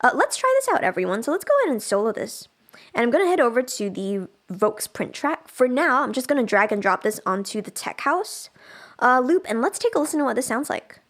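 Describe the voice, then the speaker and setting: Here a woman teaches music production during a relaxed software livestream, chatting and thinking out loud as she shows each step. Her voice sits a little high with big pitch swings, a fairly bright tone and a slightly fast pace, and there's a bit of hiss or hum in the audio.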